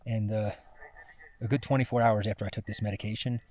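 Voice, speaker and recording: Man, exhausted, weary delivery, halting and rambling, casual personal vlog monologue. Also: fairly low pitch, fairly even intonation, darkish tone. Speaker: mountain climber recording a personal expedition vlog.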